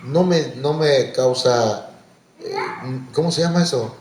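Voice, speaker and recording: A man's voice: mid-range voice, slow pace, darkish tone, slight background noise. Male preacher, folksy storyteller, echoey church sound. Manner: folksy, storytelling with asides and restarts; exhorting, rising on calls to serve. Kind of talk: conversational sermon.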